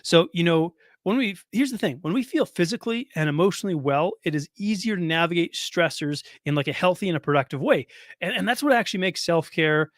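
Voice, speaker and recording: Male podcast coach, hoarse, rapid chatty delivery, slightly high voice, dry close sound. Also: expressive, no echo. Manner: casual, chatty, many fillers and restarts. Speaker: nutrition coach and podcast host. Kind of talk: solo podcast talk.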